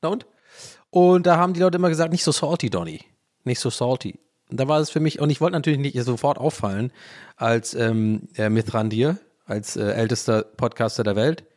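Alone at his home mic, a German-accented podcast host rambles through a solo monologue in a medium-pitched, slightly mellow voice, fairly quick and fairly even in intonation. His manner is jokey and self-mocking, and he keeps losing the thread and restarting.

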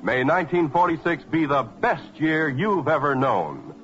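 American male announcer, higher-pitched, very lively delivery, formal and polished, vintage network radio. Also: a little slow. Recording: muffled 1940s radio recording with music.

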